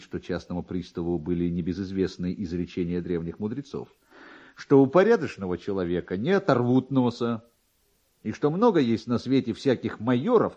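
A man narrating classic literature as an expressive storyteller, with a wry, theatrical manner. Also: fairly low pitch, lo-fi sound. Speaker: narrator, reader.

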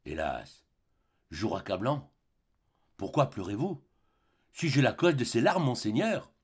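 Man doing a scared innocent young wife, soft and pleading, husky edge. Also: medium pitch, sing-song, takes it slowly, full character voice. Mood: bewildered. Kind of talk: audiobook play reading.

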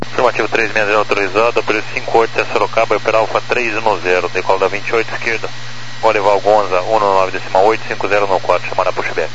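A man's voice: fairly low pitch, level tone, fast. A Brazilian man giving procedural pilot readbacks over aviation radio. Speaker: airline pilot. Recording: muffled, faintly noisy radio.

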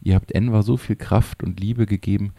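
A man voicing a wise older sage in an audiobook, who speaks softly and with understanding. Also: lowish voice, steady tone, moderate pace, gravelly, no echo. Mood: gentle. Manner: soft, understanding.

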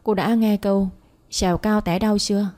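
A woman's voice: medium pitch, brisk, mellow, close to an everyday voice. A woman doing a sneering rich older lady. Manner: sneering, mocking. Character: scornful rich older woman, future mother-in-law.

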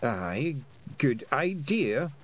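A tiny, fierce pixie warrior chief, voiced by a man bellows in a high, loud Scottish voice. His delivery is rowdy and keeps bouncing up and down in pitch. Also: sing-song, normal speed. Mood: sly. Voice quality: high, shouty.

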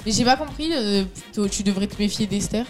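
A woman's voice: mid-range voice, fairly quick. A woman co-hosting a casual live web radio show in French, playful and joking as she keeps score in a music quiz.

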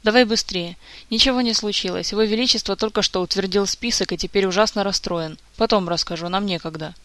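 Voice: mid-range voice, a little fast, fairly bright tone, dry recording, natural voice. A reader voicing a loyal young friend. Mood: hurried. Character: loyal young man, the king's friend Jacques.

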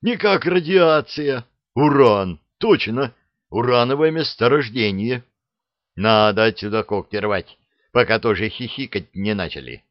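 Man putting on a pushy young fairy-tale hero, brusque, slangy, lively. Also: mid-range voice, unhurried, dry recording, dull audio, close to an everyday voice. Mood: impatient. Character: brash young male hero, impatient.

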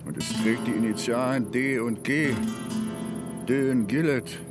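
An actor playing a bitter, vengeful ageing white cowboy in a Western radio drama, gruff and grumbling. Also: male voice, medium pitch, unhurried, over loud music, natural voice. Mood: bitter, threatening.

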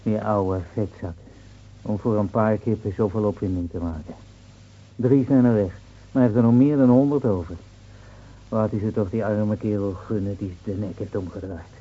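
An actor playing a hot-tempered, sarcastic village gendarme who complains in a radio play. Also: male voice, on the low side, fairly even intonation, moderate pace, close to an everyday voice. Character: grumbling, hot-tempered village gendarme, sour about his transfer. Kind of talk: Dutch radio play acting. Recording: dull, muffled old radio recording.

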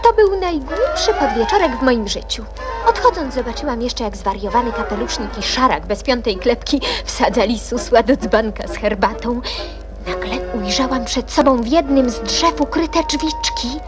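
A woman's voice: a little high, expressive, moderate pace, close to an everyday voice. An actress playing a curious, outspoken young girl in a children's radio play, both acting and narrating. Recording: music behind the voice.

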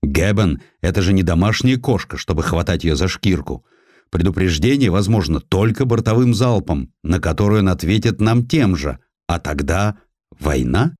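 A skeptical, gruff British warship commander from an audio history drama, voiced by a man. The voice is low and highly animated, recorded dry and close. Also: moderate pace, no echo. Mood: indignant.

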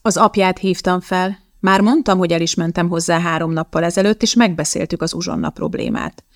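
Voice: medium pitch, fairly even intonation, no echo, clean studio sound, close to an everyday voice. An audiobook narrator voicing a firm, matter-of-fact scientist mother.

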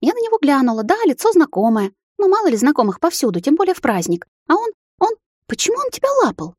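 A woman's voice: high voice, big pitch swings, fast, a little mellow, dry recording, studio quality, voice pushed up. A woman voicing the narrator's young sister, agitated and indignant.

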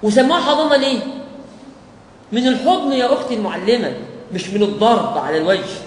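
A man's voice: sits high, fast. A man with an Egyptian Arabic accent teaching a Quran course, often putting questions to his listeners and answering them himself. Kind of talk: recorded lecture to teachers. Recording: echoey hall with long reverb and faint hiss.

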